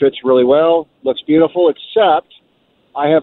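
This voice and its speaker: A normal speaking voice, a man's, fairly high in pitch, with fairly even intonation and a fairly slow pace. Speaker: caller. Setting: phone call.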